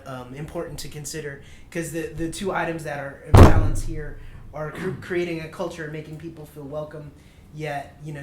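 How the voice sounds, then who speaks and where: Discussion participant, mid pitch, thoughtful and halting, roomy sound. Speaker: workshop participant. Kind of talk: roundtable discussion. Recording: echoey room with faint noise.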